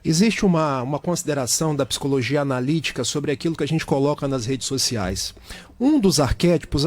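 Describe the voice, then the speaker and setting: Brazilian guy on radio talk, kinda high voice, lots of examples, explains stuff patiently. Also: a little mellow. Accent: Brazilian Portuguese. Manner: explanatory, speaks at length with examples. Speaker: guest speaker.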